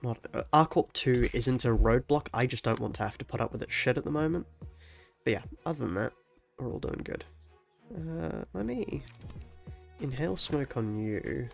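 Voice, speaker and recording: A young man streaming a video game while ill with a cold, sounding nasal and stuffy, talking quietly with low energy and chuckling now and then. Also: creaky. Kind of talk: casual live-stream chat while playing.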